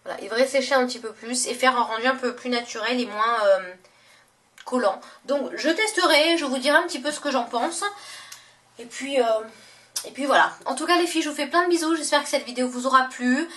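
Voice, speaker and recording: A young woman with a fairly high voice gushes over her beauty products in a relaxed, chatty vlog. She trails into fillers and corrects herself often. Her voice sounds a little distant from the camera mic. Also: a little fast. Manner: chatty and gushing, many fillers and self-corrections. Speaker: beauty vlogger. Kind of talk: casual makeup haul vlog.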